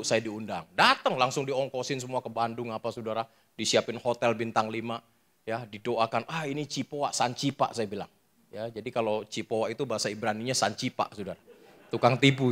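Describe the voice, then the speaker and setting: A middle-aged man, a pastor preaching a lively sermon, joking and telling stories while he keeps addressing the congregation. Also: medium pitch. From Indonesia. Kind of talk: sermon with storytelling.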